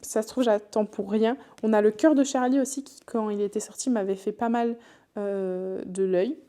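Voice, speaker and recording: A woman's voice: mid-range voice, steady tone, moderate pace, dark tone. A young woman chatting casually to camera as a book vlogger, chatty and self-mocking.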